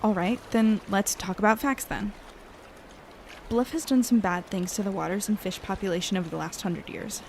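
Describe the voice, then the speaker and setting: A woman's voice: mid-range voice, normal speed, creaky, a little hiss or hum, lightly acted. A woman playing a level-headed, conciliatory young negotiator in an audio drama, speaking earnestly and casually as she reasons. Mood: reasoning, firm.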